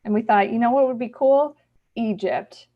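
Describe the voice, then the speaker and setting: A woman's voice: fairly high pitch, normal speed, phone-quality sound. Wry young woman telling a story. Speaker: improv monologist. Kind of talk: comic storytelling monologue. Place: theater stage.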